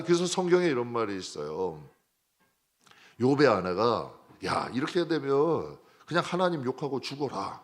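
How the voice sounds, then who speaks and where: A male pastor preaching a midweek sermon in a conversational way, swinging between loud outbursts and soft asides, acting out prayers and dialogue. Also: sits high. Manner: acts out prayers and dialogue in a raised voice.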